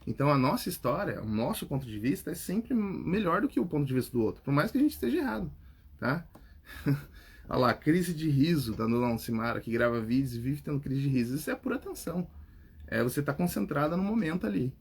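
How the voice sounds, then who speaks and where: Brief: Brazilian male speaking coach, slightly high husky voice, casual and direct with viewers. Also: very animated, fairly quick. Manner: talks straight to the viewer, tags lines with "tá?" and "né?". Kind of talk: casual live Q&A podcast answering viewer comments.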